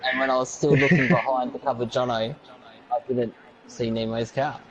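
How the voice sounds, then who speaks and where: A man's voice: mid-range voice, fairly even intonation, fairly quick, fairly bright tone, dull audio. A man from Tasmania, interviewed after winning, out of breath and hesitant. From Tasmania, Australia. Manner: hesitant, many ums. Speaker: race winner interviewed.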